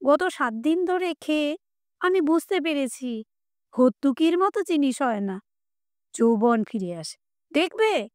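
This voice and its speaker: A woman voicing a cocky, excitable grown son who boasts and laughs off worry in a storybook reading. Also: high-pitched, a little slow, pauses often, dry recording, clean studio sound. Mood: boastful.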